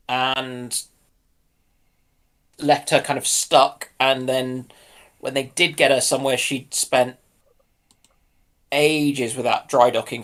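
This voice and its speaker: A man on a discussion panel, talking casually about history and thinking aloud in a halting way. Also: mid-range voice, a bit bright. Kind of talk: casual naval history chat.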